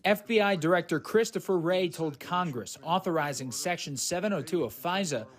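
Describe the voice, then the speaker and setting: A man working as a news correspondent, reporting outdoors in a measured, formal manner. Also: high voice. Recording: street noise behind.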